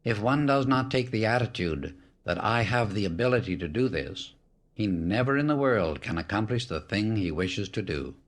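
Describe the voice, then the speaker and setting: Man, slightly deep voice, audiobook narrator, scripted spiritual reading, solemn, measured, declarative. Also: animated.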